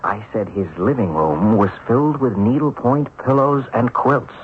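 An actor playing an earnest, halting ex-bank teller in a 1970s radio drama. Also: male voice, mid-range voice, lightly acted. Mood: excited, puzzled. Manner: hesitant, halting. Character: earnest ex-bank teller turned schoolteacher husband, hesitant, puzzled. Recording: dull, hissy 1970s radio broadcast.

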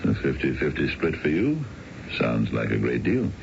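A dignified, scheming older businessman with an extremely low voice and formal, measured delivery. It is a seventies radio play with a dull, noisy sound. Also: big pitch swings, vocal fry, heavily acted. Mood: discreet, calculating. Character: dignified older male executive, secretly a crooked schemer. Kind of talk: 1970s radio drama acting.

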